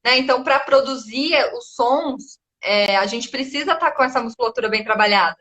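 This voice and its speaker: Woman educator, bright and fairly high voice, patient explainer. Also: normal speed. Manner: explanatory, often ends with "né?". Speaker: guest educator. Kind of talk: casual live chat.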